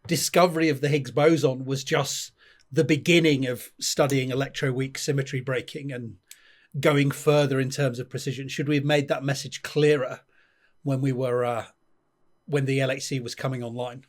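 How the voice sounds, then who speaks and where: A man hosting an interview, chatty and quick to laugh along. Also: medium pitch, steady tone. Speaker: interview host. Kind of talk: casual interview talk.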